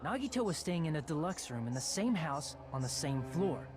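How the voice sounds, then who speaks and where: A man's voice: a little high, very animated, moderate pace, a little hiss or hum. An actor playing an earnest teenage boy detective in a video game, questioning in a pressing, insistent way. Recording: very loud game music behind the voice.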